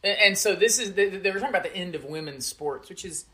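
A man's voice: high-pitched, expressive, fast, bright, forceful tone. A man in his forties co-hosting a podcast in casual chat, teasing and cracking dry jokes. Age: 40s. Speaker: podcast co-host.

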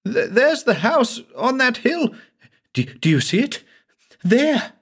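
A man's voice: very high voice, very animated, takes it slowly, fairly bright tone, slightly rough, voice pushed up, heavily acted. A man voicing a terrified grown man who is haunted by visions and pleads and shrieks in panic. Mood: hysterical.

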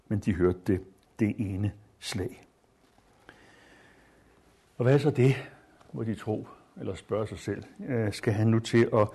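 A man calmly reading a story aloud and commenting on it, measured and with some hesitant fillers. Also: on the low side, slightly rough.

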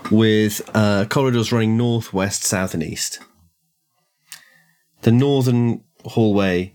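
A man acting as game master, describing a house layout with many pauses and ums. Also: on the low side, a little mellow. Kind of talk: describing a scene in a tabletop game.

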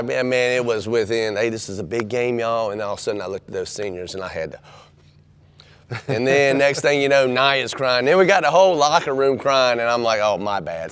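A deep-voiced man with a drawl, a basketball coach speaking casually in a radio interview. He stumbles and repeats words, then warms up and gets louder as a story builds. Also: clear, resonant tone. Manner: halting, repeats words, warms up when telling stories. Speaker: women's basketball head coach.

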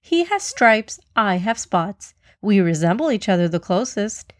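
A woman's voice: mid-range voice, sing-song, a little slow, no echo, studio quality. A woman voicing a vain, boastful male clouded leopard with a smug, wheedling manner in a children's story. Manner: smug, self-assured wheedling.

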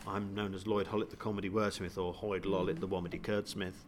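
Here the same kind of guest, a male comedian and panto performer, talks fast in a low voice with a flat delivery, though the interview chat stays animated, playful and full of wordplay. A slight hiss or hum sits under the recording.

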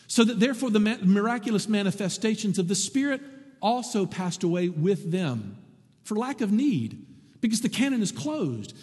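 A man preaching a sermon to his congregation, lively and animated, with wry asides. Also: sits high, slightly rough, big-room sound. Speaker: pastor.

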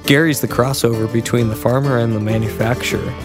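Gravelly-voiced podcast host over guitar music. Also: male voice, mid-range voice, fairly even intonation, fast talker. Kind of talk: scripted intro, then interview questions. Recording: loud guitar music under the voice.

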